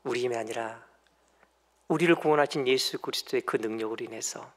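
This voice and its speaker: A man preaching a church sermon, acting out family quarrels loudly and then dropping to soft, tender murmurs. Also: mid-range voice, a little fast, big-room sound. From South Korea. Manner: drops to near whisper for tender lines and stories. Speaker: pastor. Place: church sanctuary.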